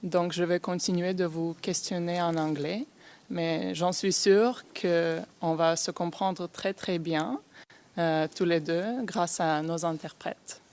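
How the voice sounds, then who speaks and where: A woman's voice: on the low side, fairly even intonation, slow, darkish tone. A woman prosecution lawyer questioning formally in a courtroom, in a hesitant French that is not her first language. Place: courtroom, speaking into a microphone.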